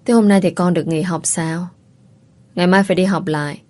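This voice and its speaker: A woman voicing a sick older mother who speaks gently and wistfully, with a teasing touch. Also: lowish voice, steady tone, brisk, natural voice. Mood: gentle.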